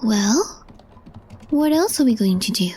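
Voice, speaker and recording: A woman playing a calm, deadpan young female coworker with a hidden crush in a soft, breathy ASMR role play, gently teasing the listener. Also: fairly high pitch, measured pace, heavily acted. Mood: calm resignation. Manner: cool, matter-of-fact, gently teasing.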